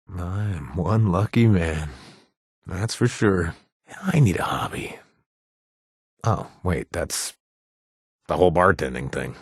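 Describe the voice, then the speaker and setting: Husky low-voiced ex-gang bartender in a game, jokey and chill, swoops up and down a lot. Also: male voice, no room sound, clean studio sound, full character voice. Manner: wisecracking, laid-back. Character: reformed ex-gang man turned bartender. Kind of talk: video game voice acting.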